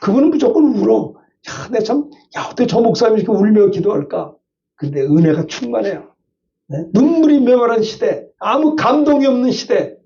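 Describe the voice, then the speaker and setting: Older man, pastor, sermon, high mellow voice, distant dull recording. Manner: emphatic preaching, rhetorical questions to the congregation.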